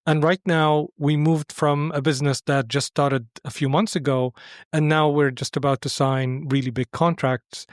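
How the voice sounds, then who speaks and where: Higher-pitched man, explaining in an interview. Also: steady tone, normal speed, dry recording, clean studio sound. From Syria. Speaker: podcast guest, entrepreneur. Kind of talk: conversational interview answers.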